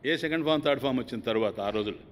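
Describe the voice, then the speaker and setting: A male swami narrating a sermon story with strong feeling, often calling on his listeners to take notice. His voice sits in an ordinary middle pitch, and it rings out into long, lingering reverb. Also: rapid-fire, slight background noise. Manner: emotive storyteller, appeals to the listeners. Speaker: swami giving a religious discourse.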